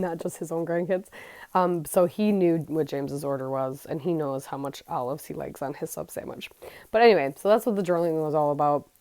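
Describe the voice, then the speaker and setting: Woman, low voice, dry close sound, casual craft voice-over, rambling and chatty. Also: creaky, mellow, no echo. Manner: rambling, chatty, trails off and corrects herself. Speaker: scrapbooking channel host.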